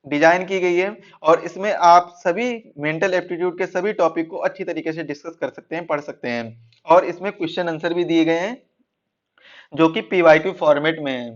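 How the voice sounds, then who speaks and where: A man's voice: fairly high pitch, moderate pace. A man giving an explanatory online exam-prep lecture, repeating and rephrasing his points as he goes. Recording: dull, lo-fi band-limited audio.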